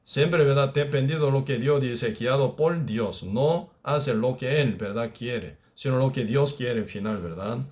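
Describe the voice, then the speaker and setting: Pastor, male, Bible study teaching; mid-pitched, keeps checking in with listeners. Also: darkish tone. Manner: peppers speech with tag questions; reads scripture aloud at a slower pace.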